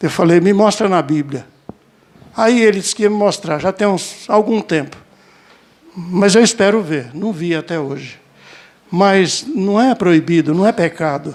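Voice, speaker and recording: A high-pitched man with ordinary pitch variation and long, frequent pauses, plus noticeable background noise. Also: fairly slow pace. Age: 60s. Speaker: pastor. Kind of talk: sermon.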